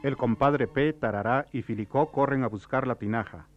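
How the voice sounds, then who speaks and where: A man's voice: mid-range voice, normal speed, faint music behind. A man giving scripted narration of stage directions for a play. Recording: slightly dull lo-fi drama recording.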